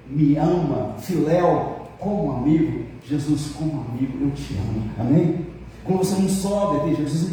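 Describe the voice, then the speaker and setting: Brazilian pastor guy preaching, kinda high voice but dark and mellow, super echoey church hall, sounds far from the mic. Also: a little hiss or hum. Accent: Brazilian Portuguese. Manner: jokes with the congregation; acts out quoted dialogue. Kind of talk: sermon.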